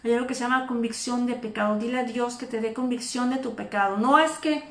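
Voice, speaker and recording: Animated woman preaching, echoey room. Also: a little high, fast talker. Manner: animated, acts out imagined speakers. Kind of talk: informal sermon.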